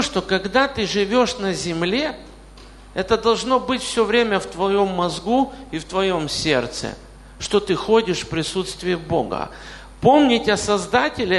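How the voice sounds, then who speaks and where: A man's voice: high-pitched, gravelly, a bit bright. A man in his late forties preaching a sermon in a church, often putting questions straight to the congregation. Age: 40s. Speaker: pastor. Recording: reverberant hall.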